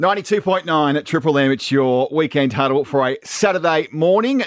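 With an Australian accent, a man speaks at a fairly high pitch with lively intonation. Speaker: radio co-host. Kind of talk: casual chat. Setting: studio.

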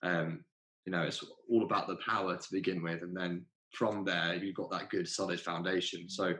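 Very deep and low in pitch, a man with a southern English accent speaks at a moderate pace in a bright, sharp tone with monotone, flat intonation. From Oxford, England. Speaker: singing teacher. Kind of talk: casual interview.

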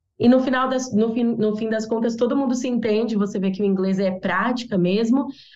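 Through audible room echo, a woman with a dark, mellow tone speaks at a moderate pace with fairly even intonation. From Brazil. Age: 20s. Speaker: podcast voice, sponsored testimonial. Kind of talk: testimony.

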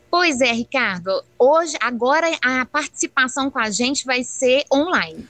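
Speaking fairly slowly with lively intonation, a woman's high-pitched voice comes through with a dry, close sound with no echo. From Bahia, Brazil (Feira de Santana). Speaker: church event coordinator. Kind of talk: radio interview.

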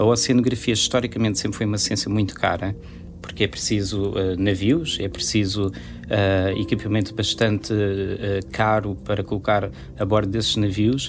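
Against noticeable background noise, a man with a fairly low voice talks at a moderate pace with ordinary pitch variation. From Portugal, Lisbon area with Azorean roots. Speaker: scientist. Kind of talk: interview. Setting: studio. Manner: halting, many fillers.

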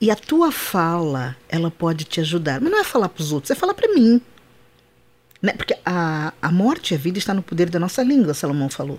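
With a Brazilian accent, a woman speaks at a fairly low pitch with lively intonation. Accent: Brazilian-sounding Portuguese. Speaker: clinical psychologist. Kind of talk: radio interview. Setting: radio studio.

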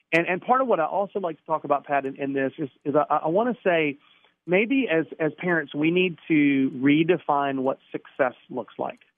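A man with an unremarkable speaking voice, fairly high pitch, moderate pace, ordinary pitch variation and big swings in loudness. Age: 50s. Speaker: author and parenting speaker. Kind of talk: radio interview. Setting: phone call.

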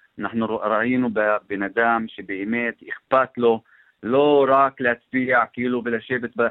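Very slowly, a man speaks in a flat, monotone way. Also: medium pitch for a man. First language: Arabic (speaking Hebrew). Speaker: party campaign director, politician. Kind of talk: radio interview.

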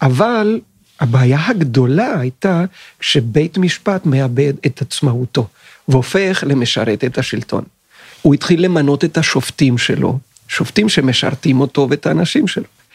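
A man's somewhat breathy voice, lively in intonation and fairly slow in pace, in a dry, close recording with no echo. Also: fairly high pitch for a man. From Venezuela. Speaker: university dean. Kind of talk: interview.

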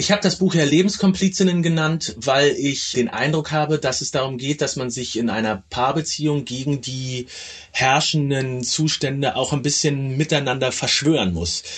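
A man's fairly high voice, somewhat breathy, at a moderate pace with ordinary pitch variation. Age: 40s. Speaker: author and journalist. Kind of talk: interview conversation.

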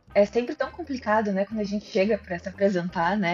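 Noticeable background noise sits under this recording. A woman with a medium pitch talks at a very fast pace with ordinary pitch variation. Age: 30s. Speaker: gaming industry guest. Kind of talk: casual chat.

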